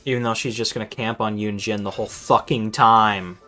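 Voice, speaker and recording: A man's voice: lowish voice, fairly even intonation, fairly quick, pushed and bright. A man streaming a game with casual, exasperated, sweary running commentary, often stammering over repeated words. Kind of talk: casual live gameplay commentary. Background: game music.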